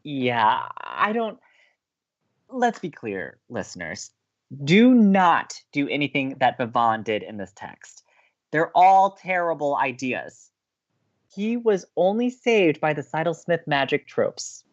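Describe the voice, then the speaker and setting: Excitable young college radio dude, teasing, super animated pitch, kinda muffled audio. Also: male voice, takes it slowly. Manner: excitable, teasing, dramatic emphasis. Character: gleeful, teasing young male campus radio co-host, romantic. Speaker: radio co-host. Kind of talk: bantering audio drama dialogue.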